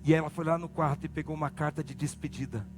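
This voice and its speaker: A male pastor with a Brazilian accent preaching a sermon, swinging from low murmurs to loud shouted peaks. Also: steady tone, fast talker. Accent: Brazilian Portuguese. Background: music.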